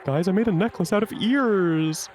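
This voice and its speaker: A man's voice: high-pitched, moderate pace, darkish tone, a faint crowd, voice pushed up, close to an everyday voice. A man voicing goofy, officious game policemen with artistic pretensions, in a mock-authoritative theatrical manner.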